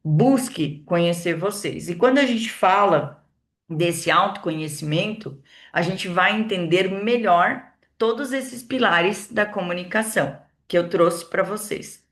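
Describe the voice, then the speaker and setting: Brazilian woman coach, motivational talk, calm and steady but swings loud and soft for emphasis. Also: fairly low pitch, measured pace. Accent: Brazilian Portuguese. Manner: expressive, shifts between loud and soft on purpose; speaks with calm, steady explanation between emphatic lines. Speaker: communication mentor and coach. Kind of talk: motivational talk to a women's group.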